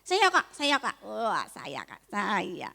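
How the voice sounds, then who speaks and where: A woman's voice: mid-range voice, wildly swooping pitch, takes it slowly, creaky, pushed and bright, full character voice. A woman voicing a small, scared child who answers eagerly and whimpers for mama. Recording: echoey hall.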